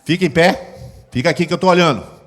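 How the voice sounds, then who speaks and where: A middle-aged pastor with a fairly high voice preaches a brisk sermon in a church hall. He acts out scenes with sound effects. A long hall reverb trails behind his words.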